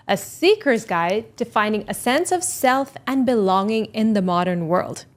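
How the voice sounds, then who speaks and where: A woman reads a scripted announcement. Her voice sits fairly high and moves up and down a lot, and she sounds upbeat. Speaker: podcast host. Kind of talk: scripted promo read.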